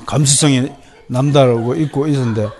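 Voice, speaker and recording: A middle-aged male pastor with a Gyeongsang accent, preaching a sermon lecture in a lively, animated way, often mimicking others. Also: mid-range voice, brisk. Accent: Gyeongsang Korean. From Gyeongsang region, Korea. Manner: lively, animated, mimics people in quoted voices.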